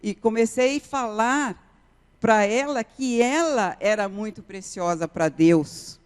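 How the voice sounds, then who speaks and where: Earnest lady preacher telling a story slow, clean voice, echoey church hall. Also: a little high, smooth. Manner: earnest storytelling, repeats key phrases. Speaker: missionary preacher. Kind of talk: testimony sermon. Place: church sanctuary.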